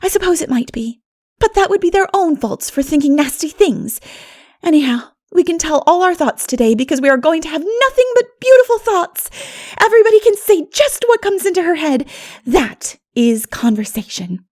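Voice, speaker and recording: Woman voicing an exuberant, high-pitched dreamy young woman. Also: very animated, normal speed, a little mellow. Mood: earnest delight. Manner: gushing, flowery, earnest. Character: Anne, exuberant, dreamy, poetical schoolgirl-spirited young woman. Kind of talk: audiobook character voice.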